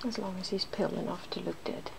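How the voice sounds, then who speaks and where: A woman hosting an ASMR video, talking softly through a hands-on demonstration and slipping now and then into whispers. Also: on the low side, steady tone, fast. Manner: soft-spoken, slipping into whispers. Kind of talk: ASMR, soft-spoken makeup demonstration. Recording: clear background noise.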